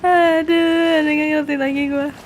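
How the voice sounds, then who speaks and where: A woman's voice: high voice, little pitch movement, normal speed, a little hiss or hum. A young woman streaming a game, laughing often and sighing in exasperation at her teammate. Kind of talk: casual live-stream chat.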